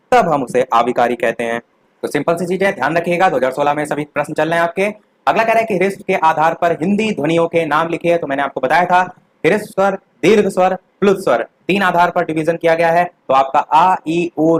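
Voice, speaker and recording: A man's voice: on the high side, poor audio. A young man, giving an exam revision lecture and explaining step by step with rhetorical questions. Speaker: teacher.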